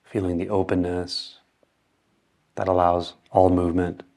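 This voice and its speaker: A man leading a guided meditation, speaking calmly in short phrases with long pauses. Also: deep voice.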